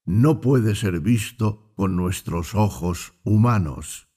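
A solemn priest offering consolation in a spoken fable, low and gentle, as a man voices him. The tone is husky and dark, unhurried.

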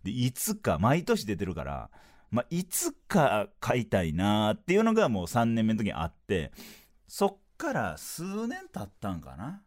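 Animated thirties man with Kansai accent. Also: lowish voice. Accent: Kansai Japanese. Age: 30s. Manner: animated, acts out dialogue in quick bursts. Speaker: podcast host, comedian. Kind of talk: solo comedic storytelling.

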